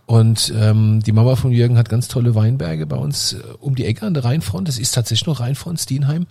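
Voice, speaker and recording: Husky Belgian man hosting casually. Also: medium pitch, brisk, warm tone. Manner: jovial, laughing, joking. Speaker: wine bar host. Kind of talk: casual chat.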